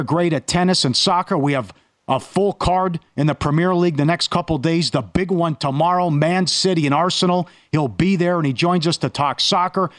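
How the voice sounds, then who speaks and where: Animated male sports radio host. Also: on the high side. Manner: animated storytelling with repeated restarts. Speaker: sports betting show host. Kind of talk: casual banter, then ad read.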